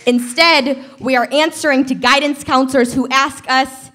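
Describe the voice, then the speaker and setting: Bright, high-voiced young woman performing slam poetry. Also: fairly even intonation, normal speed. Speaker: slam poet.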